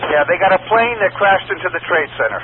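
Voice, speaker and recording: A male fire dispatcher with a high voice calls urgently over the radio. His delivery is terse and he repeats call signs. The sound is thin and phone-like, with clear static. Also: very animated, quick pace. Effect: radio transmission. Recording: tinny, noisy emergency radio channel.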